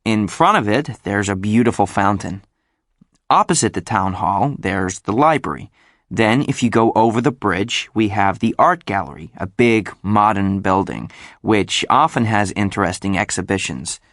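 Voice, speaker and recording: A man reading a scripted monologue for a listening exercise, in a calm, even way. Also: fairly low pitch, normal speed, no room sound, studio quality. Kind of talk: scripted monologue describing a town.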